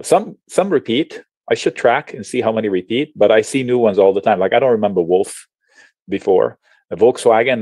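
A man from Lebanon, an options trading educator, explaining charts on a video call in a chatty, animated way with slang and frequent restarts. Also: medium pitch, no echo. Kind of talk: casual webinar explanation while sharing charts.

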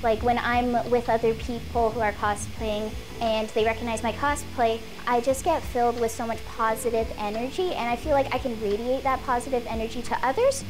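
A woman's voice: on the high side, fairly even intonation, brisk, hardly any pauses, noisy background. A young woman who sounds like an anime girl, answering questions as a contestant on a dating show.

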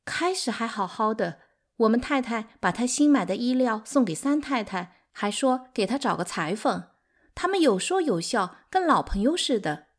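A woman's voice: a little high, lively intonation, normal speed, voice pushed up. A woman voicing a flustered, gossipy maidservant in an audiobook, urgent and tattling. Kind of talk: audiobook character acting.

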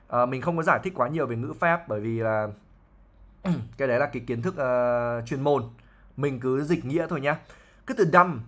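Man, English teacher, patient explaining, fillers, medium pitch. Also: a bit bright. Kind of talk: explaining a novel line by line.

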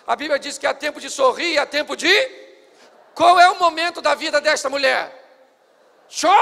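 A man's voice: very high voice, creaky, sharp tone, big-room sound. A male pastor preaching a sermon at a church service, theatrical and playful.

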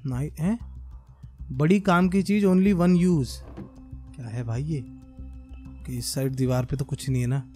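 A young man commenting on his own gameplay as a gaming creator, muttering as he works and then bursting into excited shouts. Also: fairly high pitch, unhurried, pauses often, faint music behind. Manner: talks to himself and viewers, swings from muttering to excited shouts. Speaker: gaming YouTuber.

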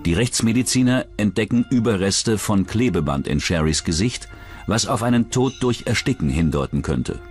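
A man's voice: lowish voice, animated, moderate pace, soft background music. A man narrating a true-crime documentary from a script.

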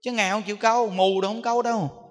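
A man's voice: high voice, fairly even intonation, rapid-fire. A man, a Buddhist monk, giving a conversational sermon to lay followers and often asking them rhetorical questions. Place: temple hall. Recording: long hall reverb.

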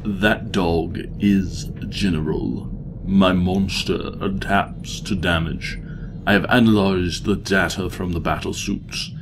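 An actor playing a proud alien monster-making scientist who talks in a precise, insistent way. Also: male voice, low-pitched, steady tone, slow. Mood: defensive, proud. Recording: clear background noise.

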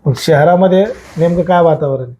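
High, soft-toned male interviewer, muffled. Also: normal speed. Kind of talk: conversational interview questions. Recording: muffled sound with music behind. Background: background music.

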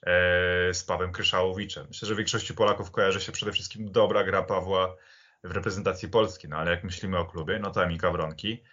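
A man speaking on a football podcast in a measured, explanatory and conversational way, building long sentences. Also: low-pitched, steady tone, bright, forceful tone. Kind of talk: conversational sports history discussion. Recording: slightly dull, band-limited audio.

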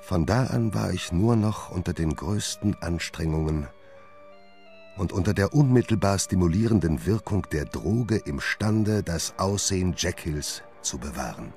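An actor playing a haunted gentleman doctor, narrating his downfall in a grave, measured way in a radio play. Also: sits low, animated. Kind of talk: dramatic first-person narration in a radio play. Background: music.

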